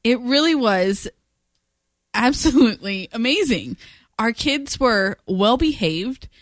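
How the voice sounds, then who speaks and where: A woman's voice: a little high, lively intonation, slow pace, no echo. A woman in her thirties co-hosting a casual family podcast in a studio, teasing and laughing often. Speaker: podcast co-host. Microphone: studio microphone.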